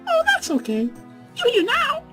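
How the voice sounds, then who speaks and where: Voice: very high-pitched, wildly swooping pitch, moderate pace, music in the background, voice pushed up, full character voice. A narrator voicing a bubbly, hyperactive young pink pony mare in a storybook reading, squealing and gushing.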